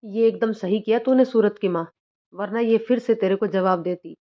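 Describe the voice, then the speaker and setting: A woman's voice: mid-range voice, normal speed, lightly acted. A woman voicing a cruel, mocking village father-in-law who eggs others on, in a dull lo-fi recording. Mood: gruff. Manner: gruff, egging others on.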